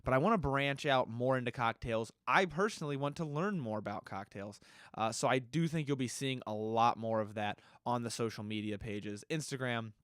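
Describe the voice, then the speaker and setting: A man's voice: mid-range voice, moderate pace, fairly bright tone, clean tone, dry recording, studio quality. A man hosting a solo podcast, answering listener questions in a loose, rambling way and often correcting himself, his nose a little stuffy. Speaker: podcast host.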